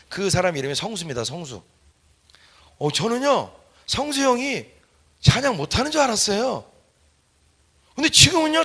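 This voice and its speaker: High, lively preaching man. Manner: animated storytelling, rising to shouts. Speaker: pastor. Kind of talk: sermon.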